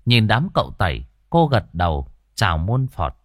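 A man narrating a ghost story in a lively, expressive reading. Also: on the low side, normal speed, no room sound, studio quality.

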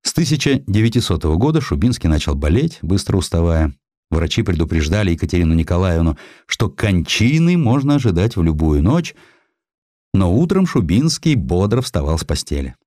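Low-voiced, animated male audiobook narrator. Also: a little fast, dry recording, studio quality. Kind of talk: expressive scripted narration of historical sketches.

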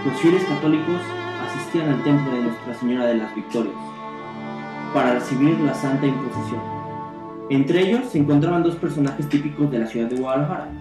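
A man's voice: medium pitch, brisk. Echoey Mexican man narrating a radio serial. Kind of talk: dramatic old-time radio serial narration. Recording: echoey voice over string music.

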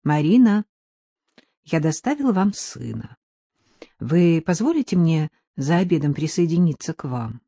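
A woman voicing a polite, formal middle-aged gentleman in an audiobook. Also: sits low, big pitch swings, a little slow, no echo, studio quality, heavily acted. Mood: courteous.

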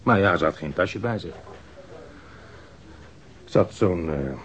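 A low-voiced, evasive street crook. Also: male voice, takes it slowly, a bit bright. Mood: defensive, rambling. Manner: defensive, hesitant, rambling, slangy. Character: evasive male street mugger under police questioning. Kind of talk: naturalistic radio drama acting. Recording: dull lo-fi radio recording.

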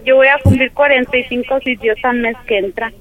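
A woman's voice: high-pitched, fairly even intonation, fairly quick. A woman, rambling shyly with many fillers on the phone. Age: 40s. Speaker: caller on the phone. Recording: tinny phone line.

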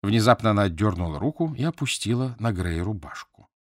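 A man reading an audiobook as scripted narration, measured and even. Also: lowish voice, dry recording, clean studio sound.

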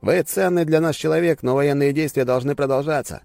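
A man voicing a calm, polite male enemy officer speaking over the radio in an audiobook. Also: on the high side, fairly quick, gravelly, dry recording, faint music behind, pitched above the performer's own voice. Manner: calm, formal.

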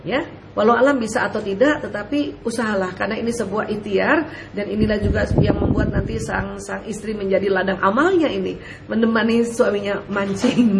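A woman preacher giving casual advice to listeners' questions, animated, asking rhetorical questions and laughing often. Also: mid-range voice, creaky, a little hiss or hum.

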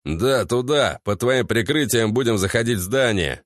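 A man's voice: medium pitch, expressive, normal speed, no room sound, clean studio sound, close to an everyday voice. A man voicing a blunt, swearing male squad commander who barks curt orders in an audiobook. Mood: commanding. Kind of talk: audiobook character voice.

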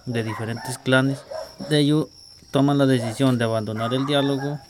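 A man speaking as an indigenous community spokesman in an outdoor field interview, halting and repeating words as he searches for them. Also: mid-range voice, steady tone. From Costa Rica. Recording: outdoor field recording with clear background noise.

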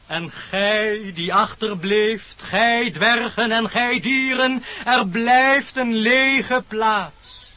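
A man's voice: high voice, drawn-out words, few pauses, pushed and bright, exaggerated voice. A man playing a pompous little animal preacher in a radio play, solemnly declaiming rhymed verse like a sermon. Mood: solemn, lofty. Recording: dull old radio recording.

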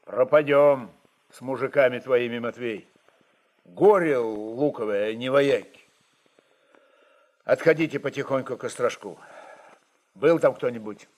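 Casting: male reader as a resolute Cossack ataman for radio drama, terse and commanding, with slow, weighty delivery. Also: mid-range voice, lightly acted. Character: stern, resolute Cossack rebel chieftain.

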